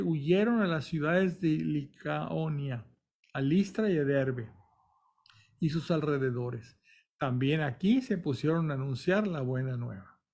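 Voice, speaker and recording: A man's voice: on the high side, creaky, a little mellow. A man reading scripture aloud and stopping now and then to explain it in plain words, with small restarts. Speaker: Bible reader and commentator. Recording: dull lo-fi recording.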